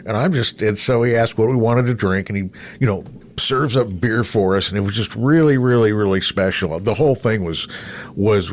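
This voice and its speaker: A middle-aged American man hosting a casual chat show, rambling through anecdotes with hesitant pauses. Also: on the low side, a little hiss or hum. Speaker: podcast host, radio veteran.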